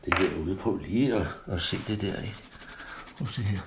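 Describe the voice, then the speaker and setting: Artist, male, low gravelly voice, rambles and mutters to himself while drawing. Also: heavy background noise. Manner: rambling, self-murmuring, often drops to a near mutter. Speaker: artist demonstrating pastel drawing. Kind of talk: thinking aloud while drawing.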